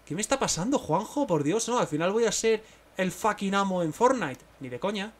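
Excitable young Spanish gamer, fairly high voice. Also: male voice, a little fast. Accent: Spain Spanish. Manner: excitable, talks to himself, bursts into exclamations. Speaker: gaming streamer. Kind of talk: live gameplay commentary.

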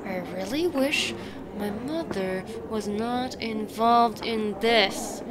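A woman's voice: fairly high pitch, takes it slowly, heavy background noise. An actress playing a chatty, grumbling nineteen-year-old girl in an audio drama. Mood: exasperated. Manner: grumbling, casual. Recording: loud background ambience.

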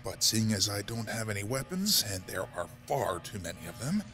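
A man's voice: on the low side, very animated, moderate pace, sharp tone, faint music behind. A man playing a grumbling, sardonic war-veteran rebel colonel in a fan-made sci-fi audio drama. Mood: rueful, tense.

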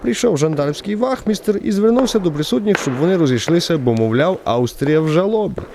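A man narrating a radio play in an expressive, theatrical storytelling style, shaping scripted literary prose phrase by phrase. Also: a little high, brisk, background noise.

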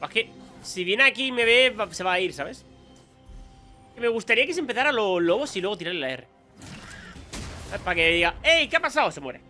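A man commentating his own gameplay live, chatty and excitable, taunting enemies aloud. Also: high-pitched, fairly quick, long pauses, faint music behind. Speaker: gaming YouTuber.

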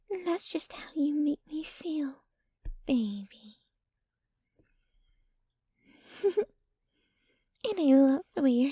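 Woman acting breathy, high-pitched possessive yandere girlfriend. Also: warm tone, no echo, exaggerated voice. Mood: possessive, tender. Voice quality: breathy, often dropping to a whisper. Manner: slow, cooing, clinging to the listener. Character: possessive, jealous young yandere girlfriend, sweetly menacing. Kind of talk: intimate ASMR girlfriend roleplay.

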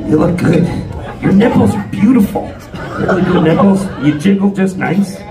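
A man's voice: sits high, normal speed. A middle-aged man hosting a live comedy show, doing teasing standup comic crowd work and echoing people's answers. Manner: teasing, echoes the answers, mild swearing. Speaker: host of a live comedy contest. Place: small club stage, indoors, filmed from the audience. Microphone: handheld stage microphone through PA. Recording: echoey distant audience recording, loud crowd noise. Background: noisy laughing crowd.

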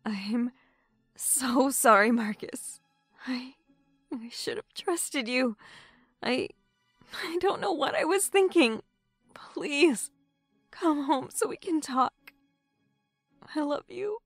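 Woman acting an earnest, unhurried young woman, higher-pitched. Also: animated, no room sound, faint music behind, full character voice. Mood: remorseful, pleading. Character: Rosalind, anxious, earnest young woman working in a bookshop. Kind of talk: audio drama acting.

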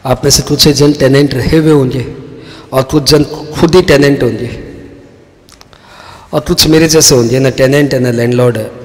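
A man's voice: mid-range voice, fairly even intonation, normal speed, long pauses, in a large hall. A man teaching a tax class in a chatty, storytelling way, acting out dialogue in his examples. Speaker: tax lecturer.

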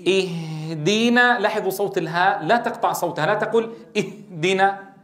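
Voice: medium pitch, fairly quick, fairly bright tone, echoey room. A Quran recitation teacher giving a tajweed lesson, reciting verses melodically and drilling single syllables to correct pronunciation.

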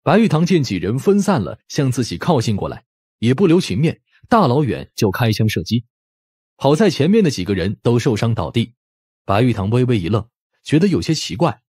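A man's voice: medium pitch, sing-song, fairly quick, a little mellow, husky, no echo, clean studio sound. A man reading scripted audiobook narration in a dramatic storytelling style.

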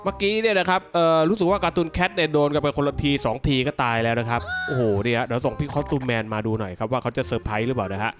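A man hosting a gaming video, giving excited gameplay commentary full of exclamations as he reacts aloud to the action. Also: medium pitch, racing, hardly any pauses, over music.

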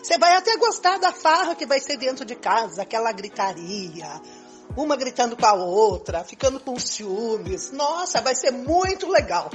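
Older woman as a wry, high-voiced possessive lover. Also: very animated, moderate pace, soft background music. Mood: wry, coaxing. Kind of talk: improvised amateur radio soap opera acting.

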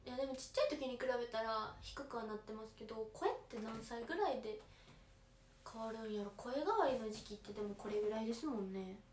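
A teenage girl in her late teens, speaking Kansai Japanese, chats on a livestream as an idol audition candidate, reading fans' comments aloud and answering them politely. Her voice sits on the high side, with lively intonation and a fast pace. The recording sounds roomy, with faint background noise.

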